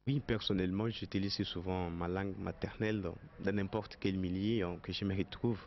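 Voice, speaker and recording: A man's voice: deep voice, fairly even intonation, brisk. A man speaking steadily in a street interview. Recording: dull lo-fi street recording with hum.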